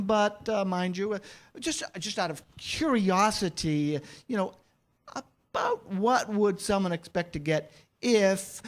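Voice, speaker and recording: A man playing a nervous, greedy, excitable fellow posing as a doctor, hesitant and prone to stammering, in a comedy staged reading. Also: high-pitched. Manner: hesitant and stammering, erupting when agitated.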